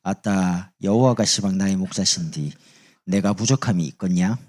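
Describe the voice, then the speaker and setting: A man putting on a Jeolla accent to recite a psalm as a folksy country man, loud and drawn out. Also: low-pitched, normal speed.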